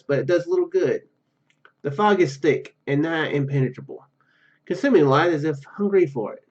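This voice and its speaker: A man hosting a gameplay video, reading story narration aloud haltingly with casual comments. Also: on the high side, darkish tone, muffled recording. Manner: halting reading, stumbles and repeats words. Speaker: gaming video host.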